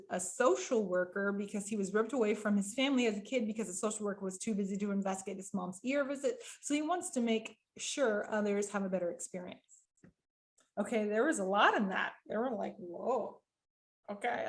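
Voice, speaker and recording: Animated woman coaching voice actors. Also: mid-range voice. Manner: animated, quick bursts with frequent fillers; addresses the audience directly and often. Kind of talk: virtual workshop teaching.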